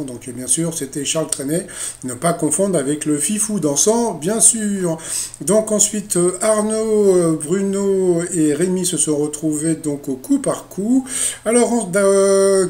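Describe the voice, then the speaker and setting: Rambling, mellow-voiced man recapping a show. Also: high voice. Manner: rambling, full of "donc, euh, voilà" fillers and joking asides. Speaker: YouTuber recapping a TV quiz show. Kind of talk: casual video recap commentary.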